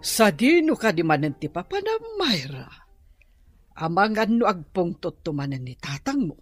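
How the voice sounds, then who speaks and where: A woman's voice: fairly low pitch, sing-song, moderate pace, breathy edge, dry recording, faint music behind. A woman playing a fretful, protective mother in a tribal radio drama, pleading with worry. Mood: worried.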